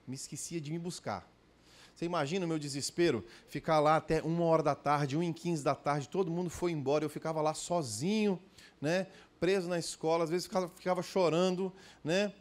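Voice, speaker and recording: At a church conference, a man preaches a sermon in a slightly high, fairly even voice, a little fast. He tells stories animatedly and addresses the congregation directly, calling out with frequent tag questions.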